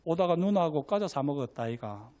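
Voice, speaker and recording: Guy putting on a chill clever little kid w gyeongsang dialect, kinda high voice. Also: lively intonation, a little fast, dark tone, natural voice. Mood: matter-of-fact. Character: calm clever little boy, younger brother.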